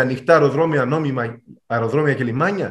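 The intonation is lively, and the background stays quiet. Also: man. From Cyprus, Nicosia area; Cyprus. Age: 50s. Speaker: former TV executive, political candidate; candidate. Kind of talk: interview. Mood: earnest, persuasive. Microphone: video call.

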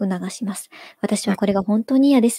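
The sound is dry and close, with no echo, and the pace is fairly quick. The tone is dark and mellow, somewhat breathy, with ordinary pitch variation. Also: woman. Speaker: live stream co-host. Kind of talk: casual chat. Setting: live stream, online.

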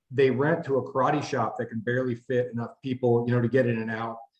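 A man with a medium pitch and a somewhat breathy voice speaks at a fairly quick pace with fairly even intonation. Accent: American. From Springfield, Oregon. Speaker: public commenter, family business member. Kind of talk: public comment at hearing.

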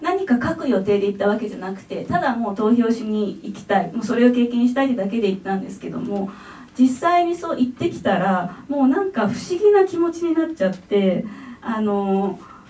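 In a room with audible echo, a woman with a high pitch speaks at a moderate pace, with big swings in loudness and very wide pitch swings. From Tokyo, Japan (born Taipei, moved at 3); Tokyo. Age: 30s. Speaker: novelist. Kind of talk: book event talk. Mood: warm, cheerful. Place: hall.

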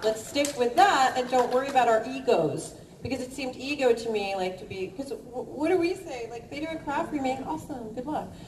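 A woman's high voice at a fairly quick pace with big swings in loudness, plus light background noise and audible room echo. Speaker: actress. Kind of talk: convention panel Q&A. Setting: stage with audience. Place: hall.

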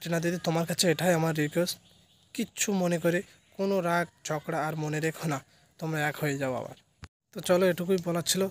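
Here a man talks at a high pitch with monotone, flat intonation. The sound is dry, with no echo. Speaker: vlogger. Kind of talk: vlog commentary to viewers. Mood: earnest, pleading, calm. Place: waterside. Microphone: phone near.

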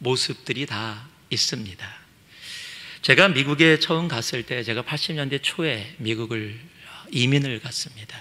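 Speaking very slowly, a man uses a bright, sharp tone. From South Korea. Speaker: visiting pastor. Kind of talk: sermon. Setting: church. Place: church. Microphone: podium.

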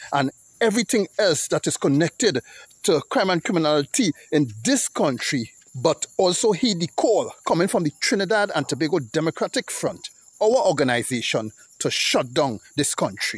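Against a quiet background, a man speaks at a moderate pace in a high voice, with very wide pitch swings and a dry sound with no echo. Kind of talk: political address to viewers. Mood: angry, urgent appeal. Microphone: phone near.

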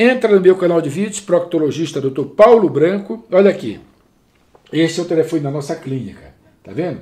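Against a quiet background, the speaker uses a dark, mellow tone at a moderate pace, with lively intonation and big swings in loudness. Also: man, high pitch for a man. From Brazil. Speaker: proctologist. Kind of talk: medical explainer video. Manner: animated. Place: home room. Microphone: camera far.

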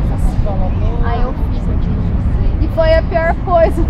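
A woman at a very slow pace amid loud background noise. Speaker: youtuber meeting fans. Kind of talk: casual interview answer. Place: garden.

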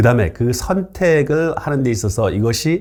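The man's somewhat breathy voice has a dark, mellow tone and lively intonation at a fairly slow pace. The recording is very clean, the background silent. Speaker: university professor. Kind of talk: interview monologue.

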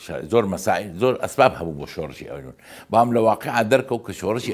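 Using lively intonation and vocal fry, a man talks at a fairly quick pace. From Iraqi Kurdistan, Sulaymaniyah; Iraqi Kurdistan. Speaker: former diplomat and archivist; interview guest. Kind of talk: interview. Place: home room. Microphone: lapel.

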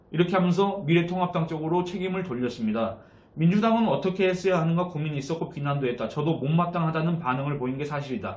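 A man talks at a very fast pace in a high voice with ordinary pitch variation. Noticeable background noise sits behind him. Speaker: magazine journalist. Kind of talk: political commentary to camera.

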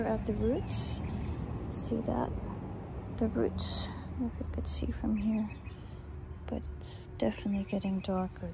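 A fairly slow pace with long, frequent pauses, dry with no echo, over noticeable background noise. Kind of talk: casual show-and-tell explanation. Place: garden. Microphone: phone near.

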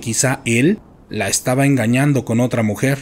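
In a dramatic tone, a man speaks at medium pitch with ordinary pitch variation. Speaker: horror story narrator. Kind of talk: ghost story telling, reading listener-sent tales aloud in a hushed, suspenseful tone; scripted narration. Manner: slow, dramatic, eerie pacing that builds suspense.

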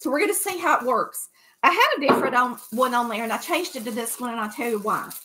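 High-pitched woman's voice with lively intonation over noticeable background noise. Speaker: home vlogger. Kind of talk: casual vlog chat. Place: kitchen.

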